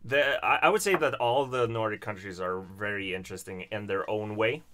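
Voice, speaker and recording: A Swedish man whose first language is Swedish hosts a casual livestream, reading viewer comments in a chatty, self-deprecating way. His voice is on the low side and a bit bright, at a moderate pace.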